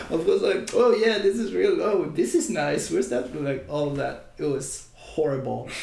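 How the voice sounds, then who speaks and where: A man with a Norwegian accent, hardly any pauses, over noticeable background noise. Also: moderate pace. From Norway. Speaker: podcast co-host. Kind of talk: casual chat.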